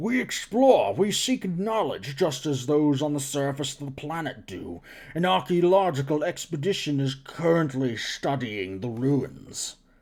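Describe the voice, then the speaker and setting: A man performs a put-on character voice with very wide pitch swings. He leaves hardly any pauses. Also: fairly high pitch for a man, moderate pace. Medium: read story. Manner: blunt, sneering.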